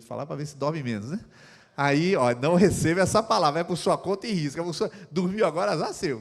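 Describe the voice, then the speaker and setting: Talking at a very fast pace, a man with a fairly high voice uses lively intonation. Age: 60s. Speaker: pastor. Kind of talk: sermon.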